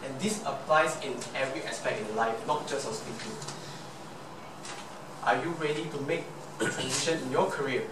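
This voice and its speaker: A young man from Malaysia with a Malaysian English accent, a Chinese native speaker giving an earnest motivational speech full of rhetorical questions. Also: mid-range voice. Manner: earnest, rhetorical questions, slow emphatic repeats. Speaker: club speaker. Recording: echoey room from far off, noisy.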